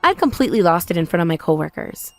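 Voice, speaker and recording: A woman's voice: on the low side, very animated, fast talker. A woman giving dramatic first-person scripted narration as a story's narrator. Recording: voice over background music.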